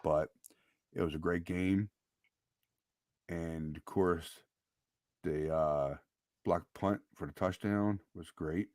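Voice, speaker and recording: A man co-hosting a casual sports podcast, excitable and tripping over his words, his voice a little worn from yelling. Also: deep voice, slow, long pauses, dry recording, studio quality. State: voice nearly lost from yelling. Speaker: podcast co-host.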